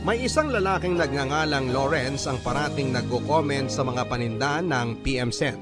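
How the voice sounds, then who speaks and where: A man's voice: mid-range voice, animated, moderate pace. A man reading a first-person love story as scripted narration in a radio drama style. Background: music under the voice.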